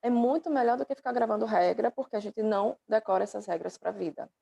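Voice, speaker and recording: A woman's voice: medium pitch, fast, gravelly, dark tone, breathy edge. A woman teaching an online class through her laptop microphone, patiently explaining step by step and affectionately calling her students dear.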